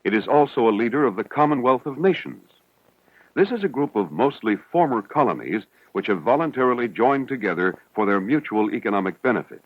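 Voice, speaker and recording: A man reading scripted narration for an educational film in a measured, formal, explanatory way. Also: medium pitch, animated, dry recording. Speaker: documentary narrator. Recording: dull, hissy 1970s educational film soundtrack.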